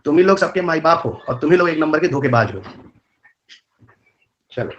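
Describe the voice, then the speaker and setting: A man's voice: a little high, animated, fairly bright tone, muffled recording, a little hiss or hum. A man with a rural north Indian Hindi accent, teaching a live online exam-prep lecture, firing rhetorical questions and scolding his students. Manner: rapid colloquial Hindi mixed with English terms.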